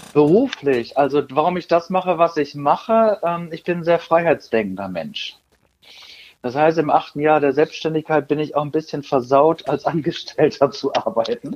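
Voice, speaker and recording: An unremarkable speaking voice from a man, pitched fairly high and full of lively intonation. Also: moderate pace. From northern Germany. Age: 40s. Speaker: sales trainer. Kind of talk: interview.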